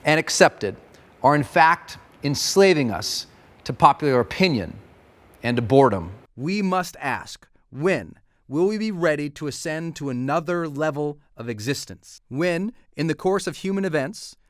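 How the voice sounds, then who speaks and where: A man's voice: fairly high pitch, lively intonation, moderate pace, no echo. A man giving an emphatic, declamatory reading of a scripted inspirational manifesto.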